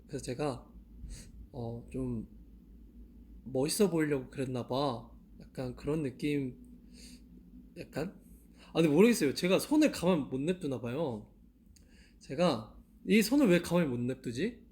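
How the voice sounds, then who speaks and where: A man's voice: mid-range voice, animated, unhurried, pauses often, a little mellow, a little hiss or hum. A young man in his twenties chatting casually to fans on a live stream, laughing often and asking himself questions aloud. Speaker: idol live-stream host. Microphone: handheld mic.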